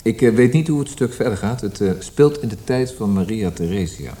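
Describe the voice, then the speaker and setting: A male actor plays a brooding poet in a radio drama, evasive and subdued. His low, dark voice moves hesitantly, with pauses, over a faintly hissy old recording. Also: animated, lightly acted. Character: sombre, evasive male Viennese poet visiting his dying friend. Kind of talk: radio play acting.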